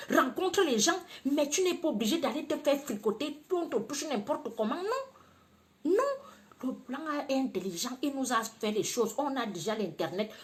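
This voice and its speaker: Brief: woman vlogger, animated, teasing, acts out the people in her stories, voice pitched a bit high. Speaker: video blogger giving advice to women. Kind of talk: casual advice monologue.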